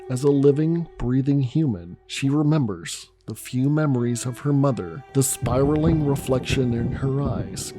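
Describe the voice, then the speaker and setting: Hoarse man narrating a film review. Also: mid-range voice, warm tone. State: hoarse, raspy from illness. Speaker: film reviewer and channel host.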